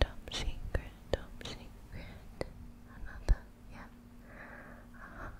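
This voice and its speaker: A woman whispers at a very slow pace. Her speech is broken by long, frequent pauses. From Australia. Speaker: ASMR artist. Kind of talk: ASMR whispered personal attention. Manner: whispered.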